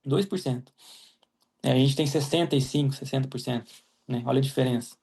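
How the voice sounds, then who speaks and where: This guest, a young agronomist from Mato Grosso who lives in Ireland, talks a little fast in a mid-range voice that is creaky, darkish and slightly rough. He answers the interview casually in Brazilian Portuguese, full of "né?" tags, fillers and restarts.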